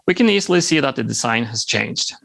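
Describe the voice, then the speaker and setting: A man's voice: mid-range voice, lively intonation, brisk, vocal fry, a bit bright. A man in his thirties from Norway, whose first language is Norwegian, giving a friendly conference talk with light humor. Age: 30s. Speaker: software developer presenting. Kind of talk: conference presentation.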